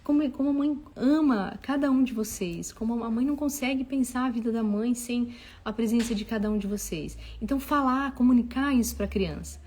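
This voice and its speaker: Expressive mother giving parenting advice. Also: fairly high pitch, fairly quick. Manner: expressive, acts out dialogue with children. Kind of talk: casual advice talk to an audience.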